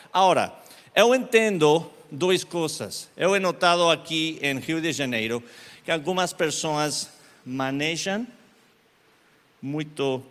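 A man preaching a sermon and telling a story, impassioned, his voice swinging from hushed to loud. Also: fairly high pitch, in a large hall.

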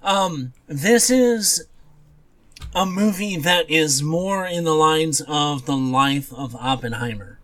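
A man co-hosting a podcast in casual movie chat, often pausing and correcting himself as he goes. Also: a little high, a bit bright. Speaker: podcast co-host.

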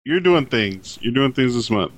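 A man co-hosting a podcast in a relaxed way, summing points up plainly. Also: mid-range voice, moderate pace, heavy background noise. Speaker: podcast co-host. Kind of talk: casual chat.

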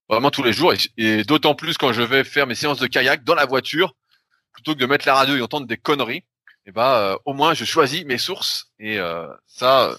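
Bright-voiced man, dry close sound. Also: medium pitch, no room sound. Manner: rambling, many fillers, loose slang. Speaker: podcast host. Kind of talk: casual podcast chat.

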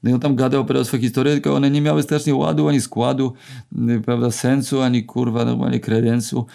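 A man spins loose, rambling real-life anecdotes in a gravelly, dark, mellow voice. He swears nonstop and stumbles through fillers and half-started words, like a storyteller talking off the cuff. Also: medium pitch, flat delivery, fast talker. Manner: rambling, swears constantly, many fillers and restarts. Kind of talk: casual spoken anecdotes.

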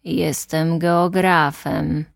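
A woman voicing a pompous older male geographer who lectures slowly and with self-importance. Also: low-pitched, steady tone, vocal fry, dry recording, studio quality, exaggerated voice. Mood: lecturing.

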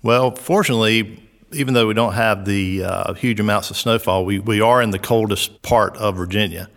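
A middle-aged man from South Georgia with a Southern accent, answering interview questions in an unhurried way, with many "uh"s and "um"s. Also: fairly low pitch, a bit bright, big-room sound. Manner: unhurried, lots of "uh" and "um" fillers. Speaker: resort recreation director.

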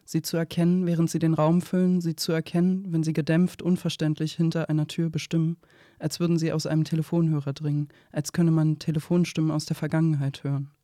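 A reflective man acting as narrator for a poetic radio play. His fairly high male voice is mellow and very even, measured and restrained, recorded dry. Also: no room sound, close to an everyday voice.

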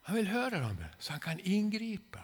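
A man preaching a sermon from Sweden, impassioned and rising to loud pleading, with frequent rhetorical asides. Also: high voice, very animated, husky. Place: church hall. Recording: long church-hall reverb.

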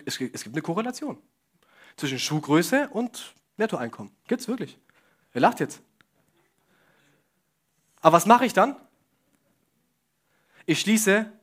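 A man's voice: a little high, a bit bright. Young man preaching with jokey asides. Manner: casual, joking asides, questions to the audience. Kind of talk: sermon to a congregation.

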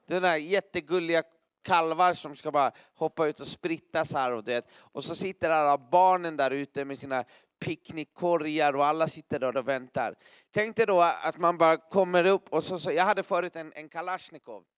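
A man preaching to a gathering in a smooth, resonant voice that sits fairly high. He tells vivid, animated stories, punctuates them with spoken sound effects and laughs easily. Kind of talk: sermon with lively storytelling.

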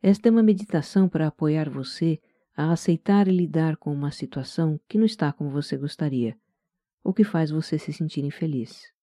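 A meditation guide with a Brazilian accent, speaking gently, calmly and softly in a soothing scripted narration. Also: medium pitch, a little fast, no echo, clean studio sound. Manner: gentle, calm, soft-spoken.

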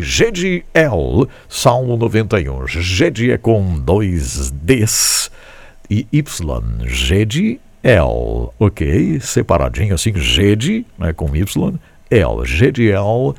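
A man with a Brazilian Portuguese accent hosting a Christian radio show. He encourages his listeners in an animated way and often repeats his phrases. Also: on the low side, creaky, no room sound. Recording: music playing behind the voice.

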